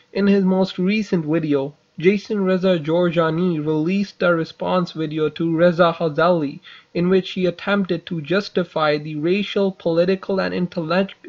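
A young man talks in a fairly high voice, with formal, accusatory wording that keeps catching on fillers. The audio is dull and lo-fi. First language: not Persian. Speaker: channel host. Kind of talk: unscripted commentary video.

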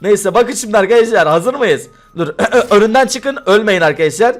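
A young man hosting a gaming video, giving excited commentary with frequent laughter while calling out to his friends. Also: sits high, moderate pace.

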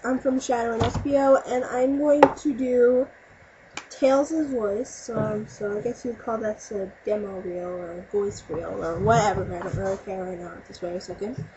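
A woman's voice: medium pitch, steady tone, moderate pace. Woman, amateur voice actor, casual and hesitant, offhand, lo-fi home recording, faint noise. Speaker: amateur voice actor introducing a demo. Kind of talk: casual, unscripted intro and asides.

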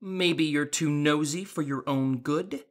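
A woman's voice: low voice, takes it slowly. A woman playing an earnest, slightly prim young male clerk, a dutiful twin brother, in an audio drama. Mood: defensive.

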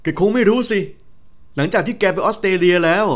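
A man voicing a cheerful, teasing young male agronomist friend who talks brightly and chattily. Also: high-pitched, brisk, pitched above the performer's own voice, close to an everyday voice. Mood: earnest.

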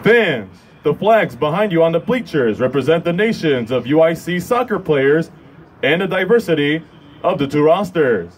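A young man works as a public address announcer at a sports game, speaking into a handheld mic. His voice sits high for a man and moves in a very animated way through formal, scripted introductions. Crowd and background noise are clearly audible behind him. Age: 20s. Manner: formal, measured, drawn-out names. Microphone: handheld microphone held close.

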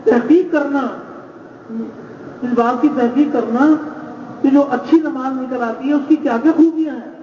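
A man preaching a sermon, measured and exhorting, repeating key phrases. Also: very high-pitched, fairly even intonation. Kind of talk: religious sermon. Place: large gathering space. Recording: echoey, distant, dull lo-fi with faint noise.

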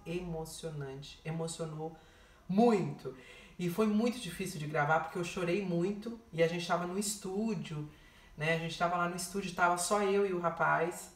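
A woman's voice: fairly low pitch, reverberant, far from the mic. A woman telling a heartfelt personal story to her viewers, often repeating herself and calling out to them directly. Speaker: vlogger. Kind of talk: emotional personal testimony.

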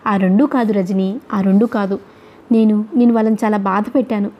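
A woman voicing an earnest, emotional young wife in a storybook reading, speaking low and pleading. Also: a little fast, dull audio, close to an everyday voice.

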